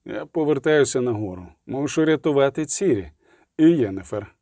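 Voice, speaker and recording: A man's voice: mid-range voice, lively intonation, normal speed, dark tone, no room sound, close to an everyday voice. A man voicing a grim middle-aged male witcher who speaks curt and dry.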